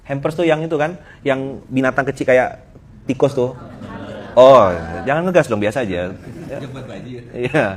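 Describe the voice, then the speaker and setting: A middle-aged man preaching a humorous sermon with a Pontianak Malay accent, teasing his listeners in a lively storytelling manner. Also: mid-range voice, normal speed, long pauses. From Pontianak, Indonesia.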